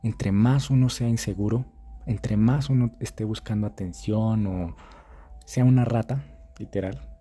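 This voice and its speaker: Husky man acting out scenes. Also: fairly low pitch, unhurried, warm tone. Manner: dramatic, acts out scenes, profane. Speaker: dating advice creator. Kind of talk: casual monologue to camera.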